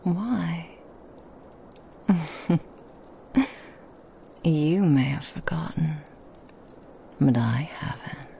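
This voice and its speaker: A woman voicing a gravelly whispering she-demon. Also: low voice, lively intonation, very slow, long pauses, mellow, slight background noise, full character voice. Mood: teasing. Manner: teasing, mocking, intimate whispering. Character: seductive menacing female Krampus demon, possessive. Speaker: ASMR roleplay performer. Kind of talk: whispered ASMR roleplay.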